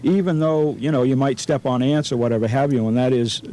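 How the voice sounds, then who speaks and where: A man's voice: fairly quick, mellow, low-quality recording. A man explaining his views articulately as a guest in a casual radio interview. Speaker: interview guest, pantheist association officer. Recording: faint noise and rumble.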